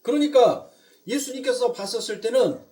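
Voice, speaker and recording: A man's voice: very high-pitched, lively intonation, normal speed, mellow, far from the mic. A male pastor preaching a sermon, putting questions to the congregation and answering them himself with rising emphasis. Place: church sanctuary.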